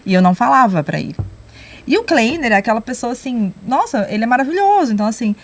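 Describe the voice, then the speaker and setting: Young woman telling a lively testimony. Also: fairly high pitch, fast. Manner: lively storyteller acting out quoted dialogue. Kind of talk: casual testimony storytelling.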